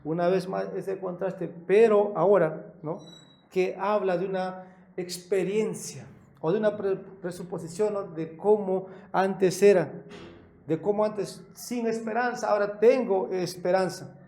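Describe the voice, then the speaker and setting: High, gravelly-voiced man preaching. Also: fairly even intonation, measured pace. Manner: emphatic, punches key words louder, frequent rhetorical "¿no?"; conversational preaching with self-corrections. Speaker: pastor. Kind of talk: sermon.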